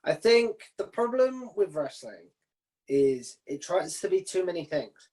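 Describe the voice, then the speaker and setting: A man with a fairly high-pitched voice hosts a casual chat. He is informal and matey, putting questions and sharing his own views like one mate talking to another. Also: sing-song, a little slow, a little mellow. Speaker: interviewer, video channel host.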